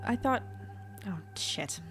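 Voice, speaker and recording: A woman's voice: slow pace, a bit bright, soft background music. A young woman playing an intuitive, guarded young journalist in an audio drama, casual but decisive. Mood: guarded, hushed.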